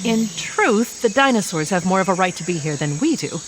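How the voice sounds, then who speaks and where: A reassuring superhero mentor played by a woman explains things in an audio drama. Her medium-pitched voice is composed yet melodically varied. Insects and jungle ambience are clearly heard behind her. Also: expressive, fairly quick, slight background noise, lightly acted. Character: calm, reassuring female telepathic superhero mentor. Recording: clear outdoor jungle sound effects.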